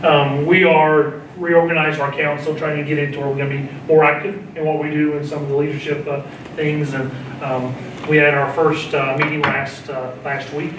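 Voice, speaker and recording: A man, a county extension agent, giving halting informal remarks at a county meeting with many fillers and restarts. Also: fairly high pitch, little pitch movement. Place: county commissioners courtroom. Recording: echoey room, distant mic, noisy.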